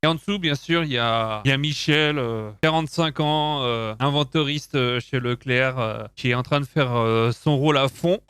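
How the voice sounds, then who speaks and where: A man in his thirties giving casual, slangy reaction commentary with an excitable, mock-grandiose delivery. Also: medium pitch, moderate pace, few pauses, clean tone, soft background music. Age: 30s. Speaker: host reacting to old videos.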